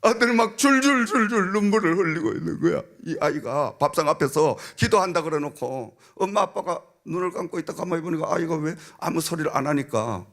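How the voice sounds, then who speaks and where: Male senior pastor in church, animated storytelling sermon, voice a bit higher than most men. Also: brisk, few pauses. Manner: storytelling preacher, acts out a child's and a minister's voices, frequent "응?" and "아멘". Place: church sanctuary.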